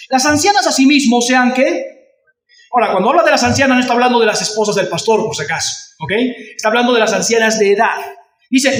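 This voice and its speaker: A male pastor with a Venezuelan Spanish accent, preaching a sermon and asking the congregation questions. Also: very high voice. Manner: acts out shouting voices in anecdotes. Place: church. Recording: echoey church from far off.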